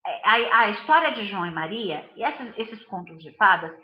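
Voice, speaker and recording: A woman's voice: medium pitch, animated, moderate pace, bright, forceful tone, echoey room, low-quality recording. A woman with a Brazilian Portuguese accent, a body and behavior analyst giving a live talk to viewers, speaking emphatically in repeated lists of phrases.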